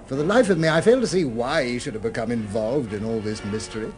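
An actor in a radio drama playing a courteous, solicitous but sceptical gentleman with a polite, inquisitive manner. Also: mid-range voice, fast talker, soft background music, lightly acted. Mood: puzzled, probing.

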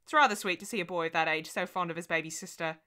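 A woman narrator lifts her voice into a cheerful young schoolteacher in a storybook tale. She sounds high, bright and breezy and chats along easily. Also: big pitch swings, fairly quick.

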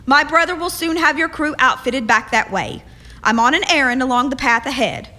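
Woman acting a bright, proper frontier young lady. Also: high-pitched, moderate pace. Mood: firm, uneasy. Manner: formal, wordy, insistent. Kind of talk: radio drama acting.

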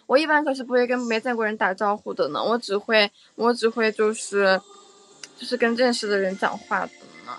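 A woman's voice: fairly high pitch, lively intonation, fast, few pauses, fairly bright tone, soft background music. Playful, teasing young woman livestreaming. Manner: playful and teasing, repeats phrases. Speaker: livestream host. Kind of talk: casual livestream chat with viewers.

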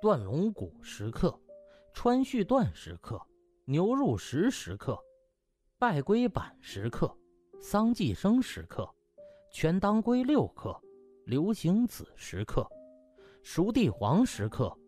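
A man's voice: high-pitched, huge pitch swings, slow, dark tone, heavily acted. A man voicing a pompous, hot-tempered rival doctor in an audiobook. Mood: smug reciting. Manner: pompous, blustering, obsequious to superiors. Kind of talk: audiobook character acting. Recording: music behind the voice.

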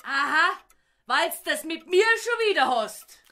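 High-pitched scolding Bavarian farm woman. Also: expressive, slow pace, sharp tone, full character voice. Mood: indignant scolding. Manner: indignant, abusive nagging. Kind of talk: dialect audiobook drama acting.

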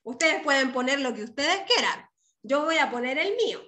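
A woman's voice: sits high, lively intonation, moderate pace, pushed and bright. A woman with a Chilean accent teaching young children over a video call, patient and affectionate. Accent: Chilean Spanish. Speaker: primary school teacher. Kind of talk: online class teaching.

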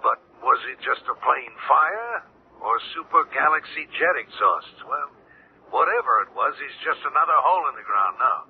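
An actor playing a blunt, impatient police sergeant in a radio drama, with a wry manner. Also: male voice, mid-range voice, lively intonation, normal speed, natural voice. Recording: tinny, noisy old radio broadcast.

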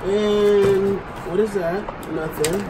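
A man's voice: sits high, slow pace. A man in his thirties joking and narrating playfully as he digs through a storage locker outdoors. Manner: playful, excitable, teasing. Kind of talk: casual commentary while sorting. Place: outdoors at an open storage unit. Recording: noisy outdoor camera audio.

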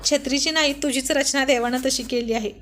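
A woman's voice: high-pitched, fairly even intonation, brisk, fairly bright tone. A woman reading the lines of a teasing young husband in a storybook, in her own voice with playful, mocking scolding. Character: teasing young husband, sharp-tongued and amused.

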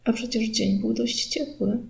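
Gravelly-voiced woman narrating an audiobook. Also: on the high side, a little slow, darkish tone, poor audio. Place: recording studio.

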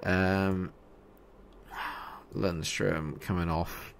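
A young man streaming a football management game, talking through his nerves, yelling at the match and then muttering to himself. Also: low voice, little pitch movement, drawn-out words, gravelly, a little hiss or hum. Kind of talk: live reactions while playing a football management game.

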